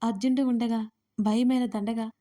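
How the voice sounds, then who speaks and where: A woman's voice: on the high side, fairly even intonation, moderate pace, dark tone, close to an everyday voice. A woman voicing a playful young woman who teases her sister-in-law in an audio story. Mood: earnest. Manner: teasing, mock-dramatic.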